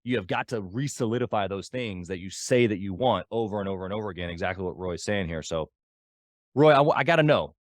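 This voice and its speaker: A man's voice: lowish voice, expressive, quick pace, dry recording, studio quality. A man hosting a podcast interview, speaking in an enthusiastic, affirming, motivational way. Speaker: podcast host.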